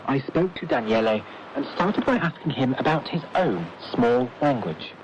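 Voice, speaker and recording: Lively male radio presenter on noisy shortwave. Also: medium pitch, normal speed, dull audio. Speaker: radio news presenter and interviewer. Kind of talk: broadcast news magazine presenting.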